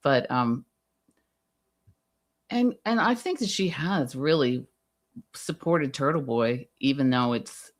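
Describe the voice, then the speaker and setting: A woman chatting casually on a livestream, agreeable and quick to jump in. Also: extremely low pitch, animated. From Guatemala.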